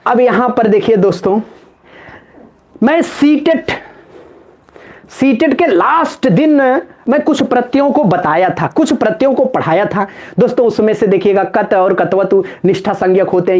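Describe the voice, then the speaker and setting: A man's voice: sits high, moderate pace, a little mellow. A man teaching Sanskrit in a live online exam-prep class, chanting word forms in a sing-song rhythm and joking with viewers in the chat. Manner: playful, banters with viewers in chat.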